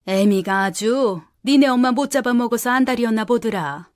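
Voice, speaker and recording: A scolding old aunt with a coarse, grumbling tongue, as a woman acts her out. The voice sits a little high and sounds close and dry, with no room around it. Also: moderate pace, no echo, close to an everyday voice. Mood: indignant. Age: older. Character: woman playing the aunt, older, blunt and scolding.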